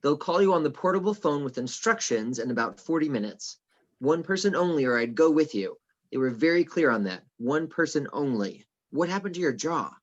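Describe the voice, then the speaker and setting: A man playing an earnest, anxious, officious personal assistant in a script table read, speaking formally and gravely. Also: fairly high pitch, expressive, fairly quick, highs cut off. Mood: businesslike, worried.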